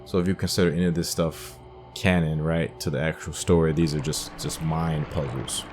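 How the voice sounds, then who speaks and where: Very deep-voiced man doing game commentary. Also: flat delivery, moderate pace, a little mellow, a little hiss or hum. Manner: rambling, musing. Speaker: gaming host. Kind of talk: casual playthrough commentary. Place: game commentary with game music behind.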